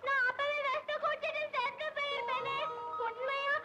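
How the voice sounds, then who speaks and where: A woman's voice: very high voice, little pitch movement, moderate pace. An actress playing a lovesick young village girl, tearful and pleading, with a Tamil accent. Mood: accusing. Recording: old film soundtrack under loud music.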